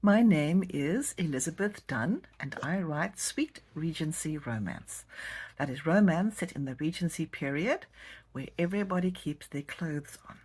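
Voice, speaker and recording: A woman's voice: low-pitched, animated, unhurried, breathy edge. A woman from South Africa with a South African accent, a romance author chatting to camera as she tells the story of her new book. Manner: chatty, warm storytelling of a plot summary.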